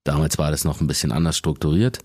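A man in his forties with an extremely deep bass voice, telling stories casually as the guest in an interview. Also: fast talker, a little mellow, husky, dry recording, studio quality. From Germany.

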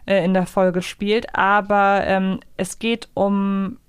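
A woman's voice: mid-range voice, flat delivery, slow, clean tone, no echo, clean studio sound. A woman co-hosting a podcast in a casual discussion style. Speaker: podcast co-host.

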